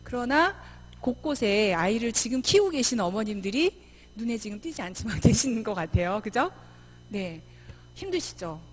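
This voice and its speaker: A middle-aged woman missionary giving a church seminar talk, lively, often acting out mothers and children in quoted voices. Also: fairly high pitch, normal speed, a little hiss or hum. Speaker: missionary speaker. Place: church sanctuary.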